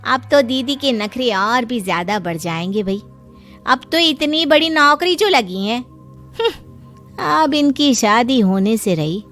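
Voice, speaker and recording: Sarcastic young cartoon sister-in-law, voiced by a woman; needling, high voice. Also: expressive, measured pace, a bit bright, faint music behind. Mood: mocking.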